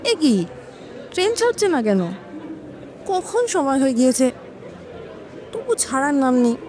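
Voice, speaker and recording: A woman's voice: sits high, big pitch swings, measured pace, a crowd in the background. A woman playing a proud, dignified schoolteacher, defiant and formal, in a dramatic audio drama style. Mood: impatient. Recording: long reverb, prominent music underneath.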